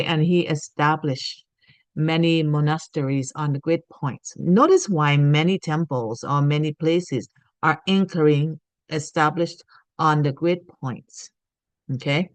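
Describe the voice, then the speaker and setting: A woman's voice: deep voice, no room sound. A woman from Thailand giving an earnest spiritual teaching talk, often checking in with "okay?".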